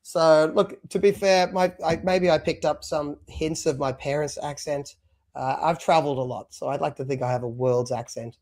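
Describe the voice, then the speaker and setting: A man's voice: fairly high pitch, steady tone, moderate pace, a little mellow. A man co-hosting a live stream podcast, talking casually and rambling with lots of fillers. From abroad, moved to Australia at three. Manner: chatty, rambling with many fillers. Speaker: podcast co-host.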